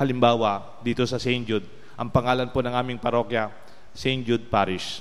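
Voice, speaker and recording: At a moderate pace, a man speaks. His pitch is medium. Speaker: priest. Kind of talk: homily at Sunday Mass. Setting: church. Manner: formal, earnest preaching; code-switching Tagalog and English. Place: church.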